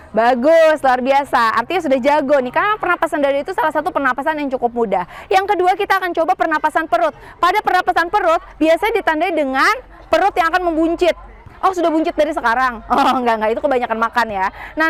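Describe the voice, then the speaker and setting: Brief: young female music teacher, Banjar-tinged accent, high bright pitch, patient and explanatory, outdoors at school. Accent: Banjar-inflected Indonesian. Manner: patient, explains step by step with rhetorical questions. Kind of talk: outdoor singing lesson to students.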